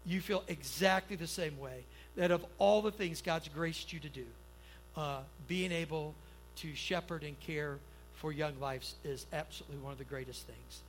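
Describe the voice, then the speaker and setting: A man's voice: fairly high pitch, normal speed, slight background noise, poor audio. A middle-aged man, a pastor, preaching to a church congregation in a folksy, storytelling way, often checking in with the crowd, then leading a prayer. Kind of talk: conversational sermon and prayer.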